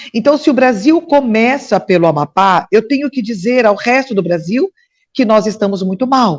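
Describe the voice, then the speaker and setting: Moving slowly, a woman speaks with very wide pitch swings. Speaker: retired judge and political candidate. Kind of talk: interview.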